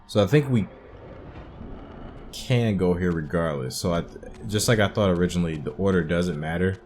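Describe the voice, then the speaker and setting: A man's voice: low voice, moderate pace, darkish tone. A man doing casual let's play commentary, musing and thinking aloud as he works through a video game. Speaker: gamer narrating a playthrough.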